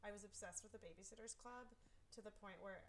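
A woman in her thirties whose first language is Farsi, an author chatting in an interview, animated and quick to laugh. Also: medium pitch, slight background noise. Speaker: author guest. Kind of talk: casual interview chat.

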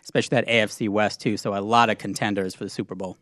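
A man guest on a sports betting podcast, talking through odds in a measured, analytical way. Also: fairly low pitch, little pitch movement, a bit bright, dry recording, studio quality. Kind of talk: casual podcast chat.

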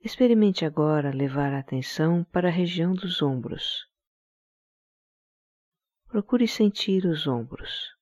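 A man leading a guided meditation in a calm, soothing manner, giving slow relaxation instructions. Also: a little high, no room sound, studio quality.

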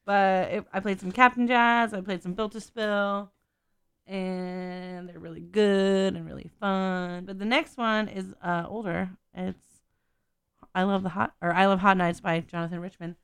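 Woman, radio host, casual chat, giggly, chatty, a little gravelly, middle pitch. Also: fairly even intonation, a little slow, no echo. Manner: giggly, chatty, trails off often. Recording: radio studio.

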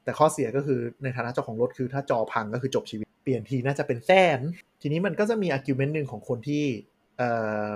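ผู้ชายเสียงแหบ คุยพอดแคสต์แบบสนุกสนาน. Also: male voice, medium pitch, brisk, breathy edge. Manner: animated, joking, crude slang. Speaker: podcast co-host. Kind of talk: casual tech podcast chat.

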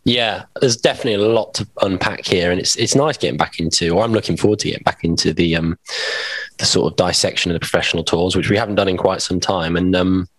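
A man's voice: low-pitched, fast, fairly bright tone, no echo, rough recording. A man co-hosting a podcast, talking in a rambling, hesitant way with plenty of ums. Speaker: podcast co-host. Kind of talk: casual chat.

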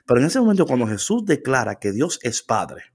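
A man co-hosting a casual faith talk, animated and slipping into English phrases. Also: medium pitch, a little fast, husky. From Latino. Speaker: co-host.

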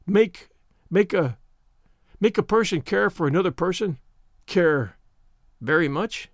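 A man's voice: sits high, lively intonation, measured pace, dry recording, clean studio sound. A man voicing a proud, earnest young farm girl who speaks hesitantly.

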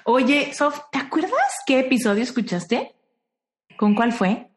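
A woman's voice: a little high, measured pace, slight background noise. A woman hosting an interview, prompting her guest with short, friendly questions. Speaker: host. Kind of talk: conversational interview.

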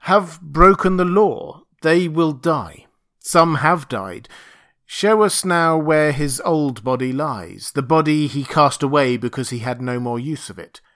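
A man voicing a commanding man who proclaims law to beasts in an audiobook story, declaiming slowly with authority. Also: mid-range voice, steady tone, a bit bright, no room sound, studio quality, close to an everyday voice. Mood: stern.

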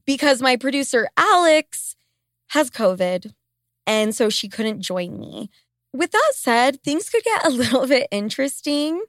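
A woman's voice: high-pitched, big pitch swings, unhurried, fairly bright tone, dry recording, clean studio sound. A woman in her late twenties with a congested, stuffy-nosed voice, talking casually and candidly as a solo host, swearing and grumbling comically. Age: late 20s. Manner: profane, comically complaining. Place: small basement home studio. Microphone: close studio microphone.

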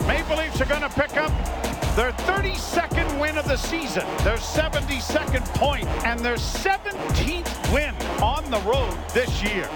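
Guy doing fast hockey play-by-play, worked up goal calls, really high voice, loud music behind. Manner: excited, shouting goal calls. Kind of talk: rapid hockey play-by-play commentary. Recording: game broadcast clip under loud music.

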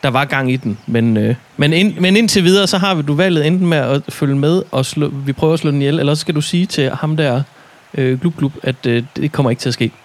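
Confident coaxing player, fairly high voice. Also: male voice, hardly any pauses. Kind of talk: tabletop role-play in character.

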